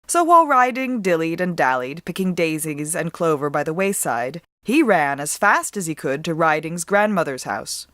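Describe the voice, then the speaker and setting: Low-voiced woman narrating a dark tale. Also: no room sound, clean studio sound. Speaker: author reading own short story. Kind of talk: dramatic storybook narration.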